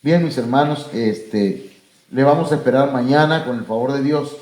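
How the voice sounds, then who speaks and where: A man's voice: medium pitch, moderate pace, darkish tone, echoey room. A man with a Mexican Spanish accent, preaching and leading prayer in a plain, conversational way with many fillers. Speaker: pastor. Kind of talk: sermon and closing prayer to a church and online viewers. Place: church sanctuary.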